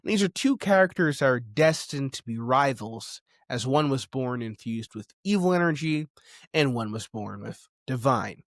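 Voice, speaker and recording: Male video essay host, average pitch, conversational yet emphatic commentary, very little room sound. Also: lively intonation, normal speed, dry recording, studio quality.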